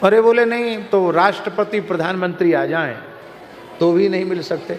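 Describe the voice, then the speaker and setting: A man's voice: high voice, moderate pace. A man delivering a religious discourse, telling stories and anecdotes to his listeners. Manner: storytelling, lively anecdotes. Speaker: katha preacher. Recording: reverberant hall, faint noise.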